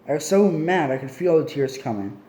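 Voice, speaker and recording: A man's voice: fairly high pitch, lively intonation, brisk, mellow, reverberant. A man casually reading a novel aloud, correcting his slips and chatting in between. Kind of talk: casual read-aloud with asides.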